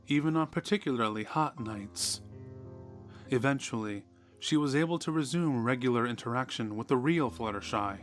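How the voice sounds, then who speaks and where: A man's voice: medium pitch, fairly bright tone. A man reading a horror story as a dramatic scripted narration. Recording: music behind the voice. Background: music.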